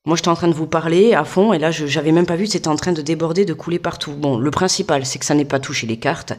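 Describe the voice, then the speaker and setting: A woman's voice: deep voice, fast talker, darkish tone. Woman, casual card reader, informal and talkative, addresses the listener directly and keeps checking in. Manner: chatty, keeps checking in with "d'accord?" and "tu vois". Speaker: tarot guidance reader. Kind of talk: casual card reading to the viewer. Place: home desk.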